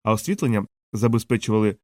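A man's voice: fairly low pitch, fast, darkish tone, no echo. Man narrating an audiobook, dry sound.

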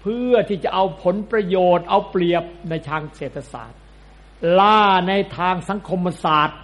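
A man's voice: sits high, moderate pace, fairly bright tone. A man, a Buddhist monk, giving a sermon in a blunt, colloquial, scolding way.

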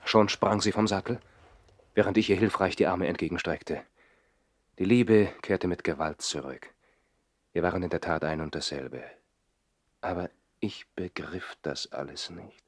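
Deep-ish romantic tree-dwelling baron, theatrical 60s radio drama, dry close sound. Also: male voice, steady tone, unhurried, long pauses, no room sound. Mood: wistful, recounting. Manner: theatrical, swinging from reflective telling to anguished outbursts. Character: passionate, lovesick nobleman who lives in the trees. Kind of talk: 1960s German radio play acting, narrating and dialogue.

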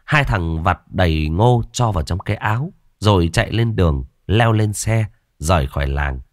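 A man narrating a horror story in a lively, expressive way. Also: deep voice, normal speed, no echo, studio quality.

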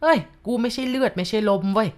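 A woman voicing a possessed old village aunt who taunts in a shrill, coarse way. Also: lively intonation, fast, lightly acted. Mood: mocking.

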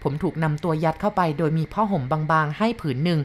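A woman narrating a first-person story from a boy's point of view in a calm, measured reading. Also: low voice, a little hiss or hum.

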